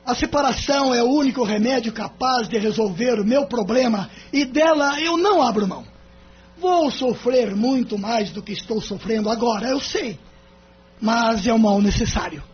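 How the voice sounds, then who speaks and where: A man's voice: extremely high pitch, normal speed, muffled recording. A man playing a grieving husband who is set on divorce and speaks in a stubborn, sorrowful way. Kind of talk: audio drama acting.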